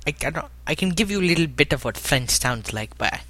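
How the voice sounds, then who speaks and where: A playful male podcast co-host with a bright, forceful voice who often repeats his words. His sound is dry and close to the mic. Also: fairly high pitch, animated, fairly quick, dry recording. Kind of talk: comedic podcast banter.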